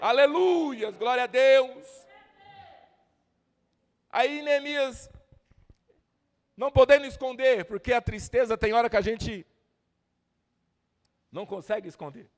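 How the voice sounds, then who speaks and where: Brazilian evangelist guy preaching hard, really high voice, long church echo. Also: steady tone, slow pace, pauses often. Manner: fervent preaching that swells to shouting, calls on the congregation. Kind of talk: Pentecostal church sermon. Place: church service hall. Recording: echoey church hall.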